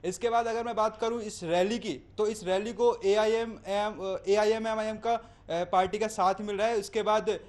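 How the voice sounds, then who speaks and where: High-pitched male news correspondent. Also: fairly even intonation, normal speed, hardly any pauses, darkish tone. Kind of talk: live unscripted news reporting.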